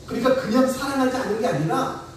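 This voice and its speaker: A man's voice: extremely high pitch, lively intonation, quick pace, a little hiss or hum. A male pastor preaching a sermon in a church, telling the story and putting questions to the congregation. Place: church sanctuary. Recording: echoey church hall from far off.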